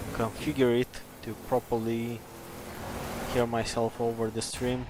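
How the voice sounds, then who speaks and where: A medium-pitched man with a Romanian accent, speaking at a fairly slow pace. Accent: Romanian accent, similar to Russian. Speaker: gaming live streamer. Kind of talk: live stream commentary while gaming. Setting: live stream. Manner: hesitant, many uh fillers.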